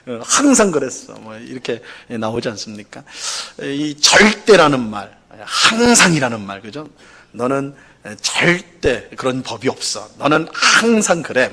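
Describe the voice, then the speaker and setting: A man preaching a Sunday sermon in a church, mid-pitched and conversational. He fills his talk with fillers and rhetorical questions, acting out quoted complaints in a raised, pleading voice. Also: bright, forceful tone. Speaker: pastor. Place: church sanctuary.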